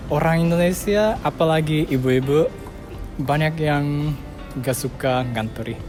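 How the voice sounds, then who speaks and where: A man's voice: a little high, unhurried. A man from Japan speaking Indonesian as a foreigner with a Japanese accent, telling casual stories and searching for words. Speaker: interviewee, content creator. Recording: loud music behind.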